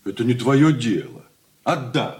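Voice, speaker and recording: An actor playing a cold, irritable grown son who answers curtly in a radio play. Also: male voice, mid-range voice, lively intonation, unhurried, a little mellow, close to an everyday voice. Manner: curt and dry. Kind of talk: 1980s studio radio play acting.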